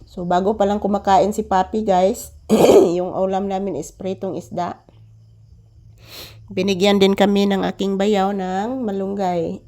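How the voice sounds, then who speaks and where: A woman vlogging casually from her living room, coughing from a cold and coaxing her child between remarks to viewers. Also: mid-range voice. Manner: talks softly to a child, coaxing. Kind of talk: casual home vlog.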